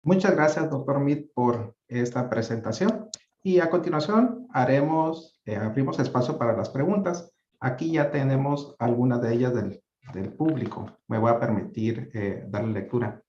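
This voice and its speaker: A man's voice: medium pitch, moderate pace, a little mellow, highs cut off. Polite male moderator in an echoey room. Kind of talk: formal moderation.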